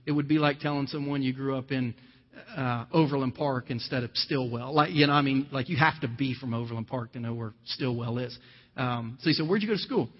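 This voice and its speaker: A man's voice: medium pitch, brisk. A man from Ohio preaching a sermon as pastor, mixing scripture reading with conversational personal stories. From Ohio, USA. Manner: conversational storytelling with scripture quotes. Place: church. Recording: dull lo-fi sound with long hall reverb.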